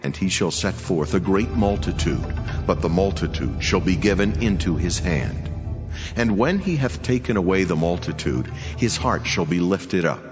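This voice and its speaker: An actor playing a mighty angelic messenger in a dramatized scripture reading, speaking in grave, measured, archaic oratory with solemn command. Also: male voice, sits low, expressive. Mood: grave, prophetic. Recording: long cathedral-like reverb, music underneath. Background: background music.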